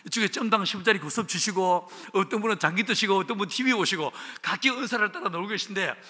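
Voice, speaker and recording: A male pastor with a Gyeongsang accent preaching a revival sermon, telling stories with animated humor. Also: high voice, fast talker, husky. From Jinju, South Korea. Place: church sanctuary. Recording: reverberant church hall.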